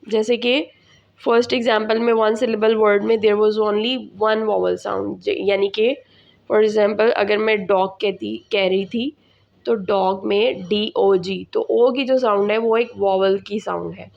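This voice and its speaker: Woman teacher, gravelly and unhurried, dull lo-fi recording; suits an English lesson. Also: mid-range voice, steady tone. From Pakistan. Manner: slow, deliberate, repeats words for students. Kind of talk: classroom lesson explaining English in Urdu.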